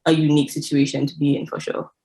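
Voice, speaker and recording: A young Saint Lucian woman speaks in a low voice, relaxed and frank as she answers interview questions. She talks things through in an easy, reflective way and keeps saying "like". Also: fast, gravelly. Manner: frank, reflective, says "like" often. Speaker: guest analytics specialist.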